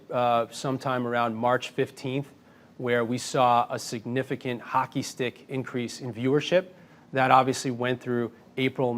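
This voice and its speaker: A man speaking as a company executive, answering analysts on an earnings call in a confident, measured way. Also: medium pitch.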